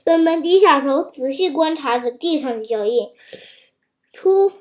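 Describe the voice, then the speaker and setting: A woman narrating a children's story in a lively, expressive reading, with a few slips. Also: high-pitched, unhurried. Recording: roomy echo.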